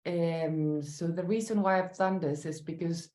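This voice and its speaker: Chilean-accented woman, lowish voice, thoughtful and halting, lots of ums, roomy echoey sound. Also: mellow. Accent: Chilean Spanish. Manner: thoughtful, halting, many fillers. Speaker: sculptor guest. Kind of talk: interview answers. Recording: roomy echo.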